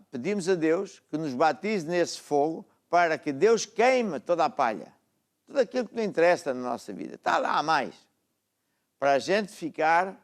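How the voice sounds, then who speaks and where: A middle-aged man with a European Portuguese accent, preaching a sermon and exhorting his listeners, then praying over them. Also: on the high side. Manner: exhorting, asks "está a ver?" often. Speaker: apostle preaching. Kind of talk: sermon with closing prayer.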